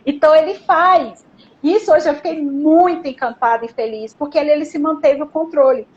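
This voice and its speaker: A woman's voice: sits high, fairly quick, darkish tone, lo-fi sound. A woman guest, an educational psychologist, chatting casually and telling stories from her school work. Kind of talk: casual chat.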